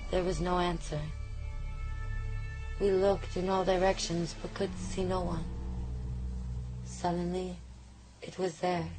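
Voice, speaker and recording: A woman's voice: on the low side, lightly acted, low-quality recording. A woman narrating as a young Native woman. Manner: gentle, wondering storytelling. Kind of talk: narration in a hobby radio drama. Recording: loud music under the voice.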